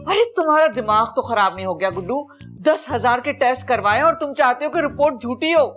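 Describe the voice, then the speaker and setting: A woman's voice: high voice, lively intonation, fairly quick, fairly bright tone, faint music behind. An actress playing a melodramatic, demanding older mother who wails and complains. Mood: impatient. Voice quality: wailing, complaining. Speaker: mother-in-law. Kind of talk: sitcom acting.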